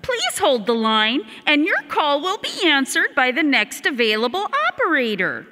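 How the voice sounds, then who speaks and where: A woman's voice: sits high, big pitch swings, normal speed, sharp tone, in a large hall, a little hiss or hum, full character voice. A woman playing an automated phone-menu voice in a radio comedy, with a polished recorded-message delivery. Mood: chirpy.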